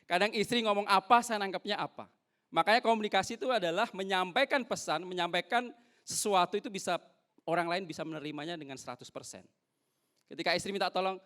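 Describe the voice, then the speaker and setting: A young male pastor preaching a sermon in church, lively, acting out little exchanges between husband and wife. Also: sits high. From North Sulawesi, Indonesia. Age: young adult.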